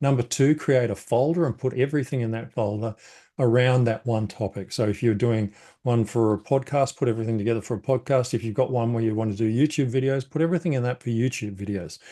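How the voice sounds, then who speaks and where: A man with an Australian accent talks at a very fast pace, his tone dark and mellow. His pitch is medium with ordinary variation, against a quiet background. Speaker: AI trainer and business coach. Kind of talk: webinar presentation.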